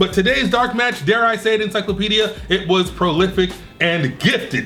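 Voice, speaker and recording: In an American accent, a raised, projected voice speaks at a moderate pace and very even loudness, with an animated tone and ordinary pitch variation, over music in the background. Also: man, high pitch for a man. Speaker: wrestling podcast co-host. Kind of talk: casual chat.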